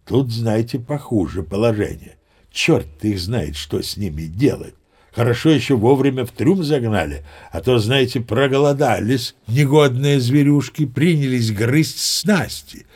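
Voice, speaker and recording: A man's voice: medium pitch, lively intonation, unhurried, a little mellow, slightly rough. An actor playing a seasoned, boastful old sea captain who tells his yarns in a chatty, emphatic, theatrical way. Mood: musing. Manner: chatty, folksy, self-assured, emphatic. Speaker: narrator. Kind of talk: theatrical first-person storytelling, audio play.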